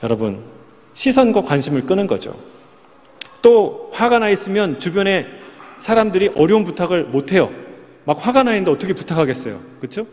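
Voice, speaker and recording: A man's voice: high-pitched, sing-song, a little fast, darkish tone. A male pastor preaching a Sunday sermon, talking conversationally and putting rhetorical questions to his congregation. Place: church sanctuary. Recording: reverberant church hall.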